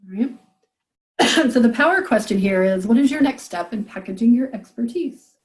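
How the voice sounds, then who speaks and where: A woman's voice: fairly high pitch, expressive, normal speed, rough recording. A woman business coach leading a group coaching call, encouraging and thinking aloud with frequent fillers.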